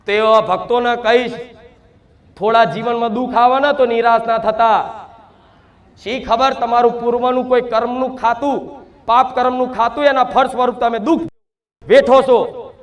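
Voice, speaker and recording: A man's voice: extremely high pitch, steady tone, normal speed. A man giving an earnest devotional sermon, speaking as the mother goddess and preaching with rhetorical questions.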